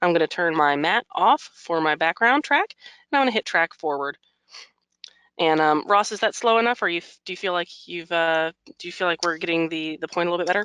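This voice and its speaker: A woman talks at a fairly quick pace in a fairly low pitch, with ordinary pitch variation and a bright, sharp tone. The sound is dry and close with no echo, over a quiet background. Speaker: product specialist giving software training. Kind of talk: live webinar tutorial. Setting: online webinar. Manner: fast.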